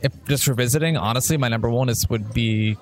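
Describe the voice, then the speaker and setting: A man's voice: medium pitch, quick pace. A man from the Boston area chatting casually as a podcast co-host, in a blunt, rambling way. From Boston area, United States. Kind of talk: casual chat. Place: restaurant.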